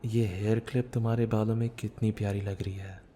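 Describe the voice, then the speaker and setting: A man acting a shy, bookish man in his thirties in an intimate ASMR romance roleplay, speaking softly as if musing, with some background noise. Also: lowish voice, flat delivery, natural voice. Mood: gentle. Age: 30s. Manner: soft, unhurried, intimate, musing. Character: shy, bookish, self-doubting thirty-year-old man, tender romantic lead. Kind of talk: ASMR boyfriend roleplay audio drama.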